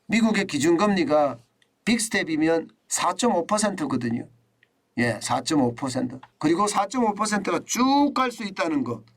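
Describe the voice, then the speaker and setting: A middle-aged man giving solo economic commentary, speaking emphatically, repeating key numbers and often starting phrases with a filler "yes.". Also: on the high side.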